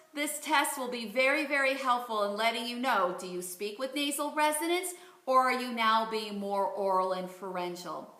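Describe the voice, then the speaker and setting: A woman speech coach teaching a video lesson, demonstrating practice words slowly and clearly. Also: a little high, pushed and bright, roomy sound.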